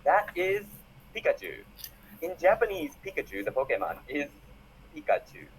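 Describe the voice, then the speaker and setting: Animated man teaching, with background noise. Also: medium pitch, rough recording. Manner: animated, explanatory. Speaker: YouTube Japanese teacher. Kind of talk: instructional video lesson.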